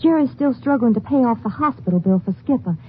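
A woman's voice: on the high side, animated, fast talker, close to an everyday voice. Casting: woman playing fretful young small-town mother, folksy and hesitant, thin vintage radio sound with faint noise. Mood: worried, sheepish. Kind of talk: 1950s western radio drama acting. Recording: tinny, noisy vintage radio broadcast.

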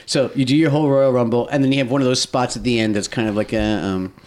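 A man in his thirties in casual, bantering chat as a podcast host, excitable and often repeating himself. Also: medium pitch, quick pace. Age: 30s.

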